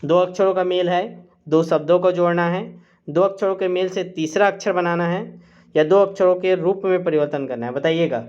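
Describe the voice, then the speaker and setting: In a muffled recording, a man with a high-pitched, steady, darkish voice and moderate pace teaches a live online exam-prep quiz. He voices each question and its options, coaxing his students with frequent "chaliega" and "theek hai."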